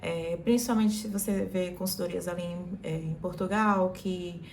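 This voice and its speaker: A woman from Brazil in her thirties talking casually in a vlog. She explains things in a relaxed way, with many fillers and restarts. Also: fairly low pitch, normal speed, vocal fry, slight background noise. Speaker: vlogger.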